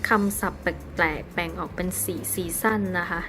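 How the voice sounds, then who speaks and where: A woman's voice: on the low side, fairly even intonation, moderate pace, over music. Chatty woman hosting a tarot review. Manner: chatty and polite, with soft polite endings and small laughs. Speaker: tarot channel host. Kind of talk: casual tarot deck review.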